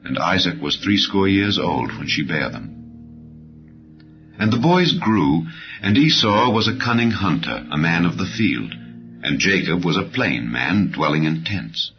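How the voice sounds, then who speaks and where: Deep-voiced man solemnly narrating scripture. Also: very animated, a little slow. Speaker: audiobook narrator. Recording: slightly dull audio under clear music. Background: background music.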